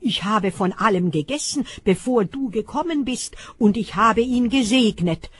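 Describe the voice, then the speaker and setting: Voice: medium pitch, slow, a little hiss or hum. A reader voicing an old blind father, shaken and grave, speaking in a solemn, reciting way.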